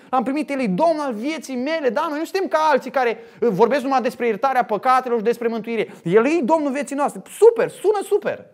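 A man preaching a sermon, swinging between loud emphatic lines and quiet asides, sometimes acting out imagined speech. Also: very high-pitched.

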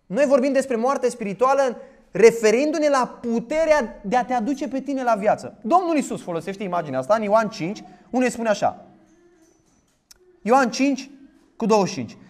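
A high-voiced man delivers a sermon with emphasis, firing off rhetorical questions and reading scripture aloud in a loud voice. His delivery is animated.

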